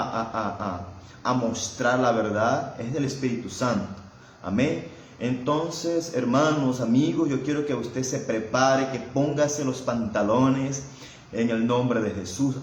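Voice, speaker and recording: A man at a middle pitch preaches a sermon in a strongly echoing room with faint noise behind him. He keeps adding amén and invocations of Jesus, and he often stalls and repeats words before going on. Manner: halting, repeats words while searching for them.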